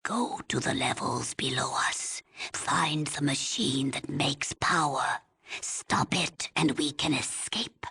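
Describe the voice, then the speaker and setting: A woman playing a weary, stern old tribal elder in a video game, with a breathy, husky rasp and a solemn, halting, commanding manner. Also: a bass voice, bright, forceful tone, slight background noise, heavily acted. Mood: stern, urgent. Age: older. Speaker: village elder. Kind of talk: dramatic video game voice acting.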